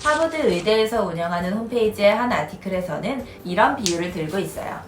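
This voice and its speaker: A woman in her thirties calmly explaining parenting advice as the host of an educational video. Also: medium pitch, fairly quick, music in the background. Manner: calm, even, instructive. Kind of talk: scripted explanatory narration. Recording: roomy echoey recording.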